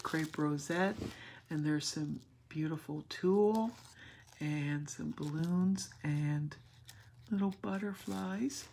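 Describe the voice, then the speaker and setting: A woman hosting a craft channel, gushing warmly over gifts as she unboxes them, emotional and sometimes dropping to a whisper. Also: low-pitched, gravelly, a little hiss or hum. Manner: gushing and tender, often drops to a whisper. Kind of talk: casual gift unboxing chat.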